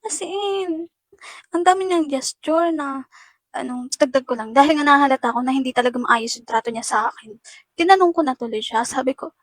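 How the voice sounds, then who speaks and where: In a dry, close recording with no room sound, a woman tells her viewers about an ordeal she went through, speaking briskly in uneven bursts. Her voice sits a little high, and her first-person account is emotional, full of "guys."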